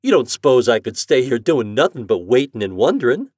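A devoted, anxious farm mother from a storybook, as a man puts her on. The voice is lifted and lively with a husky edge, and she talks in a fretful, homespun country way. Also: mid-range voice, brisk, no echo, studio quality, voice pushed up. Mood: anxious, resolute. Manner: rustic folksy speech, fretful.

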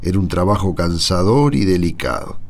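A man playing a patient old grandfather from the countryside in a radio drama, with an Argentine accent and an unhurried, folksy, hesitant way of talking. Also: deep voice, big pitch swings, creaky, exaggerated voice. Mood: nostalgic. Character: patient old grandfather reminiscing about his rural homeland.

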